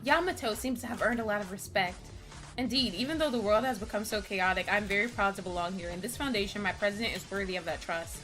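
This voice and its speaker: A woman reading game dialogue aloud, voicing bantering, earnest anime visual-novel students in a theatrical, expressive way. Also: medium pitch, fast talker, faint music behind, close to an everyday voice.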